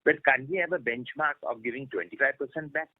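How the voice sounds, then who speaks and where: A man's voice: medium pitch, a little fast, breathy edge. An Indian-accented man, a shareholder on an earnings call, informally and insistently pressing his point over the phone. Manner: insistent, repetitive. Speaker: shareholder asking questions. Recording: narrow tinny phone line.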